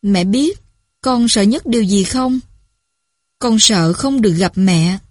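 A woman playing a frightened drunk teenage girl, slurred speech, stammering, breathy tone, dry close sound. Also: medium pitch, animated, takes it slowly, no room sound. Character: drunk, frightened teenage girl calling her mother late at night.

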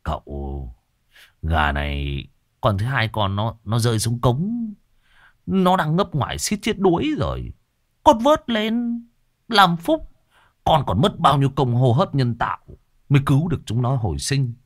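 Brief: man voicing a sheepish servant in a spoken story, wheedling excuses, lively pitch, dry sound. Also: unhurried, dry recording. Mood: excusing. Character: young servant Hải, sheepish and full of excuses.

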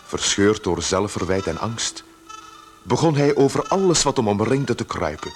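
A man's voice: on the low side, very animated, normal speed, faint music behind. A man giving dramatic scripted narration for a radio play.

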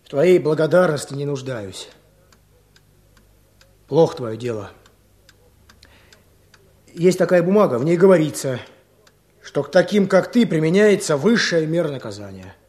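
A man's voice: on the high side, lively intonation, normal speed, long pauses, darkish tone, close to an everyday voice. An actor playing an earnest young village man who leads a hunt for bandits in a Russian radio drama, with a terse, commanding manner. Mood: stern.

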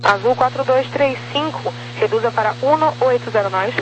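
An air traffic controller with a Brazilian accent gives clipped, procedural clearances over the radio. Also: mid-range voice, moderate pace, a bit bright. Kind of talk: radio callout of aviation clearances. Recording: noisy humming air-band radio transmission.

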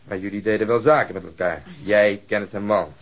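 A brutal detective from a radio drama. His voice sits fairly low, and he talks in a sneering, threatening way, with heavy sarcasm. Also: fairly quick. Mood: probing, sardonic. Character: brutal, bullying male police detective, menacing and sarcastic. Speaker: actor.

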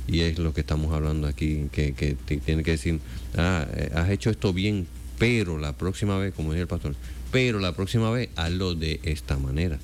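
A man's voice: a bass voice, moderate pace, darkish tone. A man speaking hesitantly in a casual faith talk, repeating words as he gathers his thoughts.

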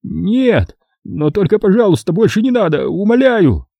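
A man voicing a cowardly, greasy male building caretaker in an audiobook, with a shrill and panicky way of talking. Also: sing-song, moderate pace, gravelly, dark tone, dry recording, exaggerated voice. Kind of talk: audiobook character voice.

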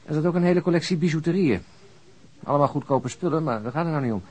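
A man's voice: on the high side, animated, quick pace, darkish tone, breathy edge. A man acting as a wry, easygoing police detective in a naturalistic radio drama, conversational and drily teasing. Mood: wry, reporting.

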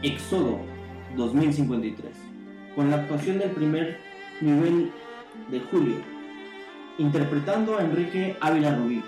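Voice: mid-range voice, expressive, normal speed. A narrator giving emphatic, announcer-style narration for a melodramatic radio serial. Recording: roomy echo with violin music.

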